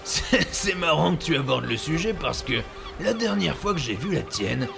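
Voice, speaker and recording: A man's voice: on the high side, sing-song, moderate pace, vocal fry, heavily acted. A man playing a boastful, scheming, hapless sea captain in a pirate comedy audio drama, theatrical and hesitant as he bluffs. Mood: sarcastic, taunting. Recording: music behind the voice.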